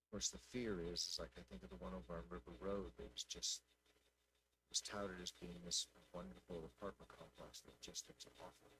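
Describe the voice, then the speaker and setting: A man speaking informally at a public council meeting, thinking out loud in a folksy, conversational way. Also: sits low, steady tone, a little fast, low-quality recording. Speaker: city council member.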